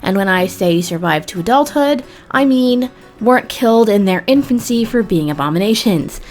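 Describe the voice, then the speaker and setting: A woman hosting a video, narrating a scripted explainer in a measured, deliberate way with emphatic pauses. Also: mid-range voice, expressive, a little mellow. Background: background music.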